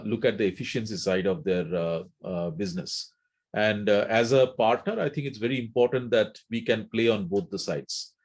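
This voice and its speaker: A man's voice: fairly low pitch, a little mellow. Middle-aged executive man explaining things. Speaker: company executive answering analysts. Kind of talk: earnings call answers.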